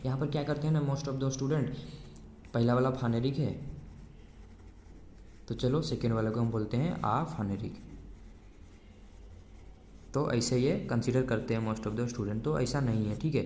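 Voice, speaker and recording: A man's voice: medium pitch, steady tone, normal speed, a little mellow, a little hiss or hum. A male teacher giving an exam-prep lecture, explaining patiently, repeating key points and mixing in English terms. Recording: roomy echo.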